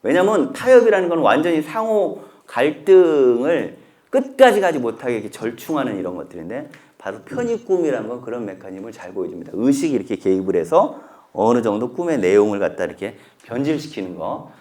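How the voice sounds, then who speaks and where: A male professor giving a humanities lecture, telling stories in a lively, conversational way and acting out the lines he quotes. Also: mid-range voice, brisk. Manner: conversational, asks listeners to look closely.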